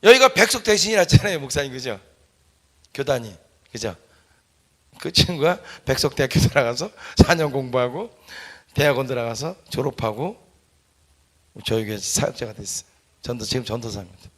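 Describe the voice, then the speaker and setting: A man pastor preaching a sermon, telling stories with animated delivery that rises into shouts. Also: mid-range voice, moderate pace, long pauses. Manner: animated storytelling, rising to shouts.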